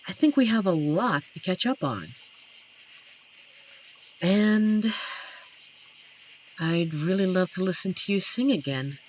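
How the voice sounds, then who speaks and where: A gentle, lonely werewolf played by a voice actor speaks slowly in a medium-pitched voice, tender and a little corny. It is an intimate roleplay audio, with hesitant pauses and clear night insects chirping behind. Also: expressive, a little hiss or hum. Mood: affectionate. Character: amiable, gentle, lonely werewolf forest protector comforting a stranger. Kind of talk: scripted roleplay audio addressed to the listener. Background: crickets and forest night ambience.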